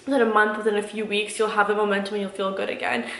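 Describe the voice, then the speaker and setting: A woman's voice: mid-range voice, little pitch movement, racing, fairly bright tone. A young woman chatting casually to viewers in a Q&A, rambling with lots of fillers while giving earnest, encouraging advice. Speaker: vlogger answering viewer questions. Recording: echoey room.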